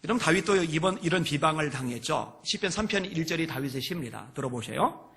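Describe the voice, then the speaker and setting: A male pastor preaching a sermon with fervor, often rising to shouts. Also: a little high, lively intonation, fast, gravelly.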